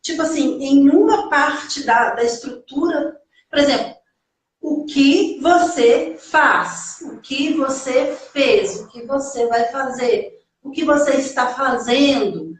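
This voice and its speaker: A Brazilian woman teaching English in a casual live lesson, slowly repeating example phrases and coaxing learners along. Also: high-pitched, heavy reverb, far from the mic, poor audio.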